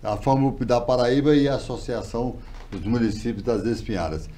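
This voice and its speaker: A middle-aged man hosting a TV studio interview, speaking in a relaxed, drawn-out way with hesitations. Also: medium pitch. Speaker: TV interview host. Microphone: lapel mic.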